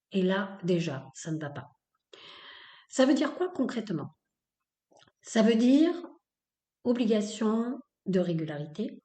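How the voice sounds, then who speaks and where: A woman's voice: lowish voice, mellow. Emphatic woman, echoey room. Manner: emphatic, repetitive, with many fillers; blunt, opinionated. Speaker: podcast host. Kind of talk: spoken-word episode.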